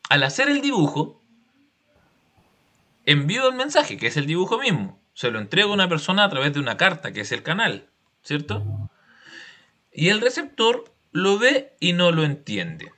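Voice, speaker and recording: Animated Chilean male teacher. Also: high voice, moderate pace, long pauses. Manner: patient, explanatory, uses examples and check-in questions. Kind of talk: classroom explanation.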